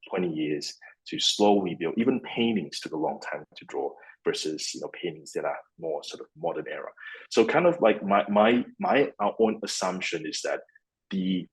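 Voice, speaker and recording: Heard on a low-quality recording, this guest is a fund CEO from Malaysia in his thirties whose voice sits low with a breathy edge. He gives long, rambling answers to interview questions, full of restarts and fillers.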